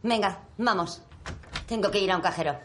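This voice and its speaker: A woman's voice: mid-range voice, normal speed, close to an everyday voice. A woman playing a cold, sarcastic mother. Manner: cutting, sarcastic. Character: cold, sarcastic, successful middle-aged mother. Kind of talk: Spanish film dub.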